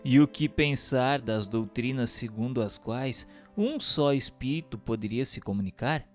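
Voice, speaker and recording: A man's voice: medium pitch, animated, measured pace, faint music behind, lightly acted. A man playing an earnest questioner in a scripted audio drama, asking in a formal, inquiring way. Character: earnest male questioner seeking truth from spirits.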